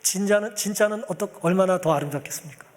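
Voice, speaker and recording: High-voiced man preaching a sermon. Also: fast, in a large hall. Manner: storytelling, acts out quoted pleas, addresses congregation. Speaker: pastor.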